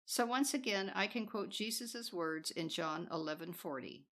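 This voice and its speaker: A woman narrating a spiritual book aloud in a measured, solemn manner, reading from a script. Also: medium pitch, a bit bright. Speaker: audiobook narrator.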